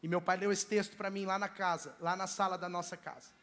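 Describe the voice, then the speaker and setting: A male pastor with a Brazilian Portuguese accent from Minas Gerais preaches a sermon in a very high voice. He talks to the congregation in a conversational, storytelling way. His words ring out with the long reverb of a church sanctuary. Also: level tone, brisk, fairly bright tone.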